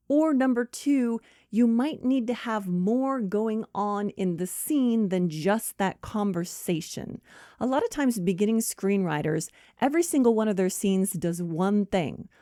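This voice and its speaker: A woman teaches screenwriting in a relaxed, explanatory way, counting off her points one by one. Her voice is mellow and dark, with a conversational flow. The recording is dry and close, with no room sound. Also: medium pitch, dry recording. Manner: explanatory, listing points, casual. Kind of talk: instructional talk.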